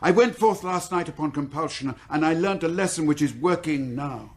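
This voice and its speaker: Casting: male actor as grumbling old miser, husky, slightly high voice, muttering and hesitant, radio drama. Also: moderate pace, natural voice. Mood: humbled, earnest. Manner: hesitant, muttering with sudden outbursts. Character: nervous old miser, grumbling yet humbled.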